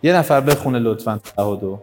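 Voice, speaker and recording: A man's voice: medium pitch, animated, a little mellow, big-room sound, faint music behind. A man leading a live workshop, talking directly to the audience and urging them on. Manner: direct, coaxing, urges the audience on. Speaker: workshop trainer. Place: hall with an audience.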